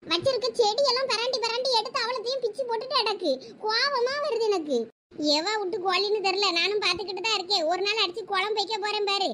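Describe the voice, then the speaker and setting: A woman voicing a nagging, bossy village mother in a cartoon, speaking Thoothukudi Tamil slang. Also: very high voice. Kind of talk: cartoon voice acting.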